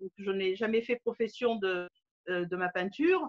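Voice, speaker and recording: Recorded with a dry, close sound and no echo, a woman speaks with ordinary pitch variation. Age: 60s. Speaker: retired amateur painter, contest winner. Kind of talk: interview. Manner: hesitant, many fillers and repetitions.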